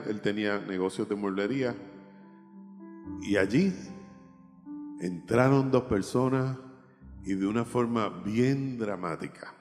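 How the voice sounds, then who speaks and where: A male pastor telling a personal testimony in a sermon, with emotional storytelling that rises and falls. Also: lowish voice. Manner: emotional storytelling, voice rising and dropping. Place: church. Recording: reverberant church hall with instrument behind.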